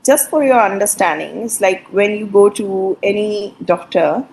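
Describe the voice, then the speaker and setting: A middle-aged woman doctor from Pakistan, explaining things in short, halting fragments in a casual video-call interview. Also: mid-range voice, expressive, gravelly, darkish tone, a little hiss or hum, poor audio. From Pakistan, Punjab. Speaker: guest, medical doctor.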